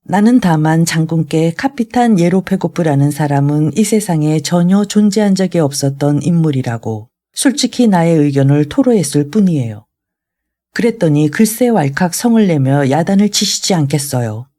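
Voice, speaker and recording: An audiobook reader voicing a sarcastic young man arguing with a general, in a mellow tone. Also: medium pitch, lively intonation, moderate pace, lightly acted. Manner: sarcastic, argumentative. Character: young man, a sardonic, argumentative youth.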